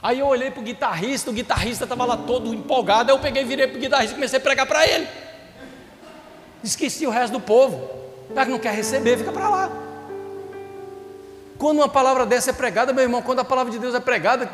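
A man's voice: very high-pitched, fast talker, pauses often, a bit bright. A man with a Brazilian accent preaching a sermon as a pastor, telling stories and calling out to the congregation. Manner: fervent, storytelling, calls out to the congregation. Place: church with reverberant hall. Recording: reverberant church with music behind. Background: worship music playing.

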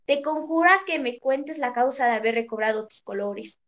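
A woman's voice: sits high, normal speed, highs cut off, close to an everyday voice. A woman reading the lines of a commanding king who presses his brother with earnest questions, in a storybook tale. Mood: concerned. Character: concerned commanding male king, elder brother.

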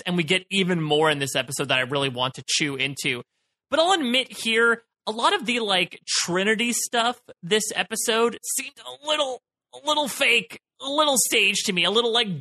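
A man's voice: high voice, pushed and bright. A man co-hosting a podcast, chatting casually in long, run-on thoughts about a TV episode. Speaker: podcast co-host. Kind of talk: casual podcast recap chat.

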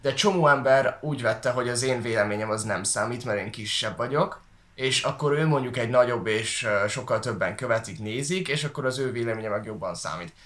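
A man from Hungary chats casually, often halting to search for the right words. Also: medium pitch, fairly bright tone. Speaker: online video creator and talk co-host. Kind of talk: casual conversational commentary. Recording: echoey room sound.

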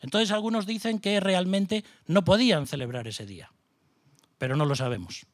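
A man's voice: high-pitched, animated, moderate pace, dry recording, studio quality. A middle-aged man from Spain preaching a sermon with a Spanish accent, passionate, firing off rhetorical questions and mocking asides. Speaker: pastor.

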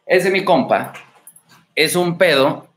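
Speaking slowly in a somewhat high, slightly bright voice, a man with a Mexican Spanish accent hosts a livestream from a room in his home. He hands out dating advice in a casual but crude, blunt, swaggering way, heavy on slang and rhetorical questions.

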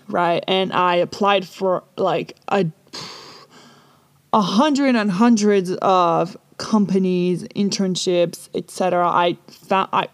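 A woman's voice: fairly low pitch, no echo. Chatty Parisian woman recording inside a closet. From Paris, France. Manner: chatty, rambling, casually swearing. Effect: recorded inside a clothes closet. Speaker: podcast host. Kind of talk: casual solo podcast chat. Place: small closet packed with dresses and magazines.

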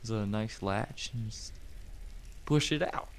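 A young man improvising as a player in a role-playing game, talking casually in a halting, matter-of-fact way. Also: on the low side, slight background noise.

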